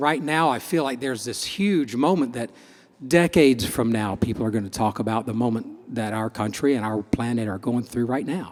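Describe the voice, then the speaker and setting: A man's normal speaking voice at a medium pitch, with ordinary pitch variation and a moderate pace. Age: 60s. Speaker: host of a music and storytelling show. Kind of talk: show hosting monologue.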